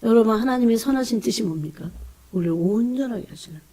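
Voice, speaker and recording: Fervent lady preacher, husky mellow voice, keeps asking the church "right?", drops to whispers then pushes loud. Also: a little high, expressive, fast. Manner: fervent, emotional preaching with frequent call-outs to the congregation; swings between loud emphasis and hushed whispers. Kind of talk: sermon.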